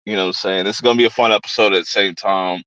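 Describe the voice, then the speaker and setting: A man hosts a horror podcast in easy, slangy talk, often repeating a phrase for effect. His voice sits on the low side. The recording sounds dull and dry, like a home setup with a muffled mic. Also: fairly even intonation, racing, bright, forceful tone, no room sound. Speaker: podcast host. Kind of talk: casual chat. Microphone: home streaming setup.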